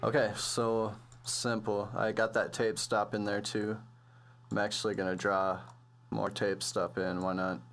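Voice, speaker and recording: A man with a low voice presents a music production tutorial. He explains things casually and loosely, with plenty of slang, as if working it out as he goes. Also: little pitch movement, unhurried. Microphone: computer voice-over on a microphone.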